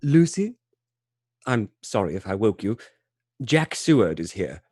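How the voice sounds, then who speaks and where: An earnest young fiancé in a radio drama. His voice is fairly low and closely recorded without echo, courteous, formal and weighted with worry. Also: big pitch swings, unhurried, a little mellow, clean studio sound. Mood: gentle. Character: worried young gentleman fiancé, polite and earnest. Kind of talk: live radio play acting.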